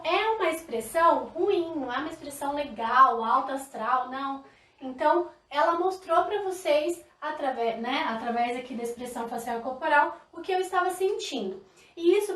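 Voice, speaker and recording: A woman from Brazil teaching a live online sign language class, lively and demonstrative. Her voice is high. It is picked up a little off-mic in an echoey room. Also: distant mic. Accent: Brazilian Portuguese. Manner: lively, demonstrative, talks to viewers directly. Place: indoor room, live stream.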